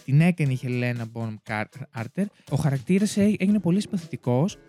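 A man's voice: mid-range voice, lively intonation, mellow, faint music behind. A young man co-hosting a podcast, presenting film facts in casual chat, often stopping to search for words. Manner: halting, searches for words mid-sentence. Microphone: desk microphone.

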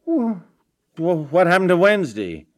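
A rather high-voiced American husband from a 1950s radio comedy. He is stubborn, absent-minded and flustered, blustering and stammering with very lively swings of pitch. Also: moderate pace. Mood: dismayed.

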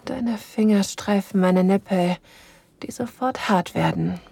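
A woman voicing a young, eager lover in an intimate audio drama, narrating in breathy whispers. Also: mid-range voice, a little slow, warm tone, dry recording. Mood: aroused.

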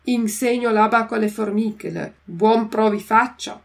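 A woman doing a gruff old carpenter. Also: on the high side, a little slow. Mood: sarcastic. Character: old male carpenter, grumbling and quarrelsome.

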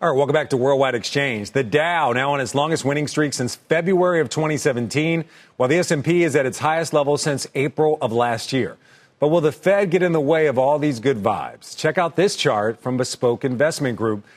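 A man's voice: mid-range voice, a little fast. A man anchoring a financial news broadcast, presenting to viewers and putting questions to guests.

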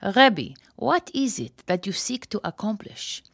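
A woman's voice: mid-range voice, very animated, measured pace, vocal fry, no echo, heavily acted. Woman as Israeli diplomat, earnest, inquiring, put-on accent, story reading, dry recording. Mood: earnest, questioning. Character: earnest Israeli man, a diplomat seeking answers.

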